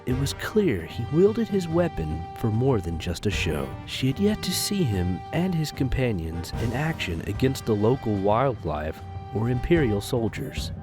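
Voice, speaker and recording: A man reading scripted story narration expressively as the narrator of an audio drama. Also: lowish voice.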